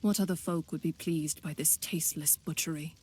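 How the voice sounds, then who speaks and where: An actress playing a stern, scornful pagan warrior woman in a fantasy video game, husky and biting. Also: low voice, steady tone, fairly quick, dark tone, slight background noise, close to an everyday voice. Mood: grim insistence. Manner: biting, sardonic, commanding.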